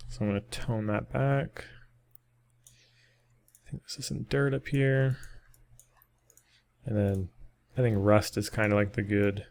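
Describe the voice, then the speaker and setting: A man's voice: fairly low pitch, steady tone, measured pace, creaky, pauses often, a little mellow. A man narrating a casual 3D texturing tutorial, thinking aloud with many ums, and slightly losing his voice. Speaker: 3D modeling tutor. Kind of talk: casual screen-recorded software tutorial.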